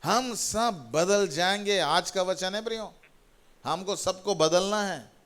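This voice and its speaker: A man's voice: high voice, slow pace, a bit bright, smooth. A middle-aged man preaching a sermon as a pastor, repeating phrases and calling out hallelujah to the congregation. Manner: repetitive, exhorting, calls out hallelujah.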